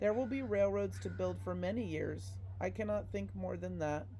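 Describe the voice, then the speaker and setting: Put-on character voice, low in pitch, at a moderate pace with clear background noise. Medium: read story. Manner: formal, polite.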